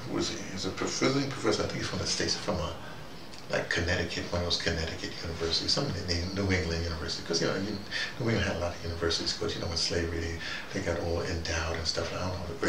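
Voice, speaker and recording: A gravelly-voiced man in his fifties gives a rambling, digressive talk to a small audience in a small indoor room, jumping between ideas and suddenly leaping up in pitch for emphasis. He is a commentator, picked up by a far camera mic, so the sound is roomy, distant, and noisy.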